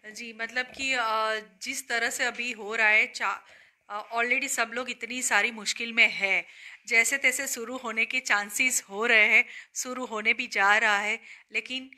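A middle-aged woman with an Indian accent hosting a talk show, speaking in a measured, hesitant way into a handheld mic. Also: fairly high pitch, steady tone, pushed and bright. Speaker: host. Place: small studio set, indoors.

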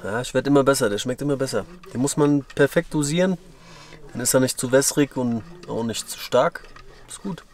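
A young man from Germany talks casually to his camera while trekking, relaxed and chatty, with plenty of fillers. His voice sits at an ordinary middle pitch. It is picked up outdoors at a mountain camp by the camera's own mic. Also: fairly quick. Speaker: hiking vlogger. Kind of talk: casual vlog talk to camera.

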